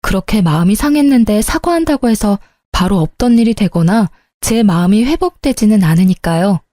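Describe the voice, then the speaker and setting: A woman's voice: medium pitch, lively intonation, brisk, mellow, no room sound, clean studio sound. A woman narrating a true-life story in a plain, conversational storytelling manner.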